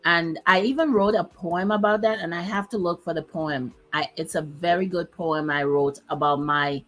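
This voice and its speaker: A chatty woman from Dominica with a lilt and a lowish voice. She talks easily in a relaxed chat, laughing often and slowing down to lean on key words. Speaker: host. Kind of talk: casual chat.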